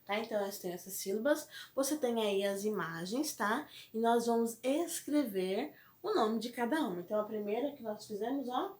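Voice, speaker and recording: A woman's voice: on the high side, normal speed, hardly any pauses, darkish tone. A Brazilian woman teaching a primary school lesson, speaking patiently and checking in with the children often. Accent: Brazilian Portuguese. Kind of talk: recorded classroom lesson. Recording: echoey room.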